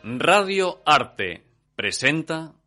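A man's voice: fairly high pitch, sing-song, drawn-out words, pushed and bright. A man formally announcing the title credits of a radio drama production. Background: music.

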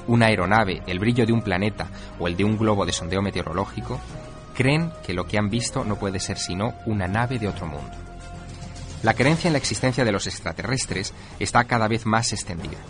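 A man reading scripted documentary narration with measured, dramatic emphasis. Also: lowish voice. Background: music.

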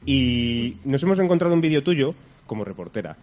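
Fast-talking male podcast co-host. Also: mid-range voice, big pitch swings, darkish tone. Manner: quick, friendly, reads plugs and asks questions. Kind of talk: podcast hosting and interviewing.

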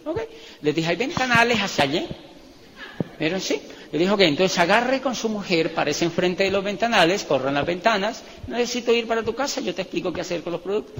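Animated man telling a story. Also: sits high, brisk, big-room sound, slight background noise. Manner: animated, acts out dialogue, laughs, rises to emphatic peaks. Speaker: motivational speaker. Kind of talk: storytelling seminar talk.

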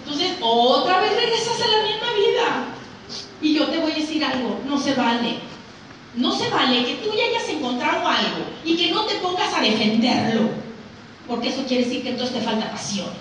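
A woman's voice: sits high, big pitch swings, normal speed, a bit bright. A woman with a Mexican accent giving a motivational talk to an audience, emphatic and full of rhetorical questions. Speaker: speaker. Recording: very echoey room, mic far off, faint noise.

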